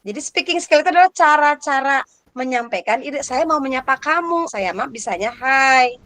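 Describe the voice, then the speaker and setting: A woman's voice: sits high, expressive, brisk, a bit bright, no room sound. A woman gives an interactive workshop lecture to teachers, playful and constantly questioning her audience. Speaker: lecturer for teacher exam prep.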